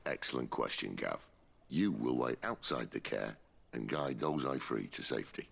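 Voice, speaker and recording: Gruff rebel boss in a game, super low husky gravelly voice, wry and shrewd. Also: male voice, animated, moderate pace, full character voice. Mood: wry, persuasive. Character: gruff, wry middle-aged rebel leader, calm and shrewd. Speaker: video game actor. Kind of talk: cinematic game cutscene acting.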